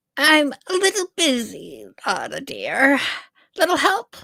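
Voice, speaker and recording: A put-on character voice, female-sounding and high-pitched for a woman, at a fairly slow pace. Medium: actual play.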